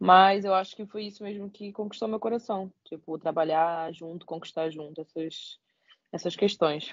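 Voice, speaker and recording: A woman with an unremarkable speaking voice talks at a medium pitch and moderate pace, with big swings in loudness. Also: fairly even intonation. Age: 20s. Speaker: professional basketball player. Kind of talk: interview.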